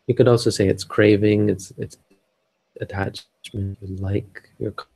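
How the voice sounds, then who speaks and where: Low gravelly man, flat delivery. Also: measured pace. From Canada. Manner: rambling, searching for words, many restarts. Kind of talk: casual talk on a live stream. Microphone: live stream setup.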